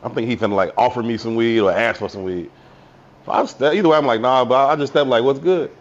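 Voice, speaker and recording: A man co-hosting a podcast, telling a profane, animated story from his youth with voiced quotes in casual chat. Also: medium pitch, fast talker, highs cut off, a little hiss or hum. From Chicago South Side. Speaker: podcast co-host.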